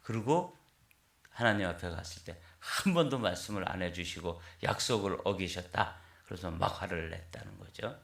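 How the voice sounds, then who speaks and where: A man in his sixties preaches an early-morning sermon in a conversational, storytelling manner. His voice is low and gravelly. The sound rings in a church sanctuary. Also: animated, normal speed, fairly bright tone, reverberant. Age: 60s. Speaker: pastor.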